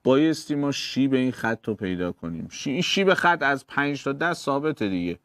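A man's voice: medium pitch, big pitch swings, a bit bright, slight background noise. A man, a physics teacher, working through exam problems step by step and talking straight to his students. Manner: explains step by step, addresses students directly.

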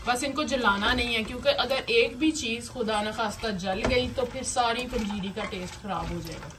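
A woman's voice: fairly high pitch, normal speed. A woman hosting a cooking video in her home kitchen, chatting through each step as she cooks. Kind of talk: casual cooking demonstration. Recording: distant mic with noisy kitchen background.

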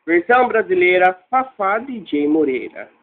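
Man, fan dubber, joking intro, high voice, tinny phone-like sound. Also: very animated, normal speed. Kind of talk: joking parody dub intro. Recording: tinny lo-fi home recording.

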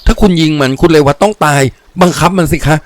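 A man voicing a frantic, pleading young noblewoman. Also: exaggerated voice. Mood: urgent. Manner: high, drawn-out, shouting pleas.

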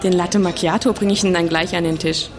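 A woman's voice: lowish voice, fairly even intonation, fast, natural voice. Actress as polite café saleswoman amid chatter. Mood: friendly. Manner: courteous, obliging. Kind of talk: audio drama acting.

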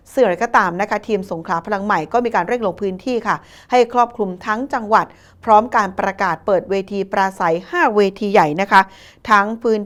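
A woman presents a scripted news report as a news presenter. Her voice sits at an average pitch for a woman. The delivery is polite and formal.

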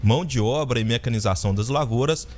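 Man reading news in a formal, measured way. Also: medium pitch, a little mellow, faint music behind. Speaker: radio news presenter. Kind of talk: read news report. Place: radio studio. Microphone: studio mic on a boom.

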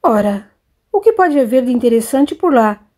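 Mulher lendo um jovem filho ríspido e entediado. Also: female voice, on the high side, sing-song, moderate pace, a little mellow. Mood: weary. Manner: curt, defensive replies. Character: young man, sulky restless son.

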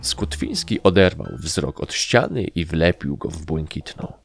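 A male narrator reads a fantasy story with a deep, unhurried voice. His delivery swings widely in pitch, and soft music plays faintly behind him. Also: expressive, vocal fry. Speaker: audiobook narrator. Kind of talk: audiobook reading.

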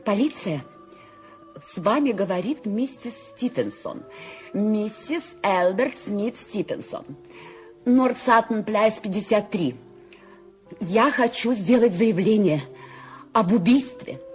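A fretful invalid lady whose voice leaps up and down as her nerves fray, shrill and commanding. Soft music sits under this old radio drama recording. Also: expressive, slow, pauses often. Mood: anxious. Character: nervous bedridden wealthy woman, irritable and demanding. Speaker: Mrs. Stevenson. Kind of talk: Soviet-era radio play acting.

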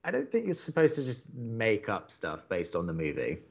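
An earnest, exasperated college radio host. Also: male voice, fairly low pitch, wildly swooping pitch, vocal fry, breathy edge, lo-fi sound, exaggerated voice. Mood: reluctant, exasperated. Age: young adult. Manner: wordy, halting, opinionated. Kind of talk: audio drama acting, conversational radio banter.

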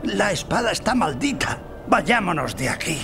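An actor playing a gruff, loyal older dwarf warrior in a video game, concerned and admonishing. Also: male voice, high-pitched, very animated, normal speed, over music, full character voice. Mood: alarmed warning. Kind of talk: video game character acting.

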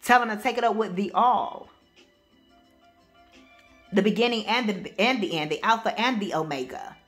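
A woman with AAVE speech giving a spiritual reading to camera, loud and powerful, blunt and emphatic, cursing freely and restarting her sentences. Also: mid-range voice, normal speed, faint music behind. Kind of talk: casual spoken reading to camera.

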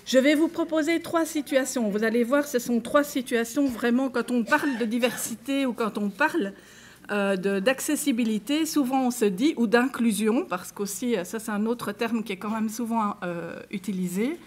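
A woman with a Belgian French accent addresses a live audience in a conference room, her voice sitting a little high. She talks in a loose, conversational way, turning to her listeners directly and reading short example cases aloud. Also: normal speed. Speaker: conference speaker.

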